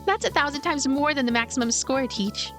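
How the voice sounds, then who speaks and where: A woman's voice: high voice, animated, fairly quick, music in the background, pitched above the performer's own voice. A woman voicing a brash young woman in a game, playfully teasing and trading mock insults with friends.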